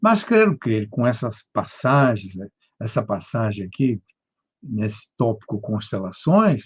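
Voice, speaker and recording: At a very slow pace, a man speaks in a somewhat breathy voice with lively intonation. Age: 70s. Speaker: spiritist lecturer. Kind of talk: lecture. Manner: halting.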